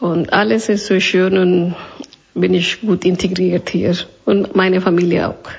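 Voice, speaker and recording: A woman at a medium pitch with an Indian accent, speaking at a very slow pace over noticeable background noise. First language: Indian language (speaking German). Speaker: immigrant mother. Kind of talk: testimony. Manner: halting.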